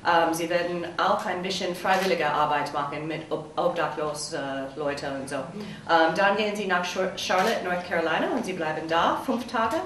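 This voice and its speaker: A woman's voice: on the low side, normal speed, few pauses, a bit bright, slight background noise. A woman, an embassy cultural attaché, speaking simple German with many fillers. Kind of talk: press conference remarks. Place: large hall. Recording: echoey hall from far off.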